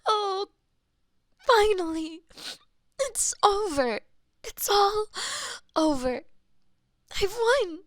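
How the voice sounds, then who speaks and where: A woman playing a possessive, lovestruck goddess of death in an intimate romantic audio roleplay, with a breathy, theatrical delivery that often drops to whispers. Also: extremely high pitch, animated, very slow, pauses often, no room sound, studio quality, exaggerated voice. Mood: triumphant elation.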